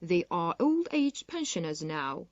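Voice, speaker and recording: A woman playing a dancer interviewed for a magazine in a scripted listening-exam dialogue, speaking in a clear, measured way. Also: lowish voice, very animated, dry recording, muffled recording. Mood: polite. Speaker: interviewee in a textbook listening recording.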